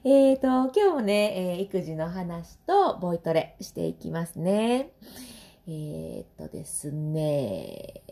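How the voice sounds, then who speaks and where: A woman in her thirties with a Kansai accent talks through her solo podcast in a chatty, easy way. Her voice is mellow, and her pitch rises and falls in lively swings. She laughs often between phrases. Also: slow pace. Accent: Kansai Japanese. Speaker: podcast host and vocal trainer. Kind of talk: casual solo podcast talk.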